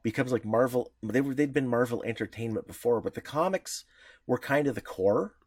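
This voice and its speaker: A man's voice: mid-range voice, brisk, a little mellow, no room sound. A man co-hosting a podcast in casual chat, talking loosely with restarts and the odd swear word. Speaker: podcast co-host.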